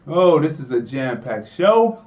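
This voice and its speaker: A man hosts a casual podcast with an animated, joking delivery. His voice sits a little high and swings widely in pitch, and he laughs often. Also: a little slow, muffled recording. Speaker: podcast host.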